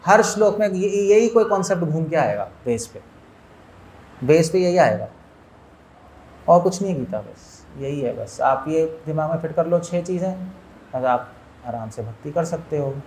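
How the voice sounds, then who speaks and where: Higher-voiced man giving a spiritual lecture. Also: lively intonation, a little slow, a little mellow, slight background noise. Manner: asks listeners questions, mixes in English words. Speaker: monk lecturer.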